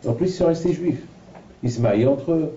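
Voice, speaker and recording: A man with a very mellow, dark voice delivers a Torah lesson, slipping into lively storytelling. He sounds set back from the mic in a roomy hall. The recording is dull and lo-fi. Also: on the high side, a little fast, slight background noise. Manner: animated storyteller, acting out voices in his anecdotes. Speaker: rabbi teaching a class. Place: large room at an evening lecture. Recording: dull, lo-fi, from a distance in an echoey room.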